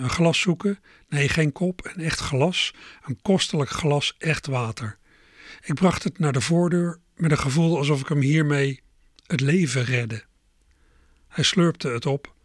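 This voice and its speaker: Middle-aged male reader for a reflective first-person story, calm and measured, dry booth sound. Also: mid-range voice, no echo. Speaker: narrator. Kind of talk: storybook reading.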